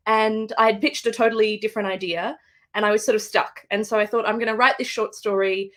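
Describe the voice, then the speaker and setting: A woman's voice: mid-range voice, fairly even intonation, brisk, fairly bright tone. An Australian woman, an author, speaking thoughtfully with fillers and restarts in a live book interview over a video call. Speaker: guest author.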